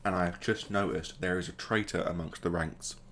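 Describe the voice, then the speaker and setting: A man's voice: deep voice, steady tone, a little fast, a bit bright, a little hiss or hum. A man hosting a gaming video, casually commentating the play as it happens and adding joking asides. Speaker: gaming channel host.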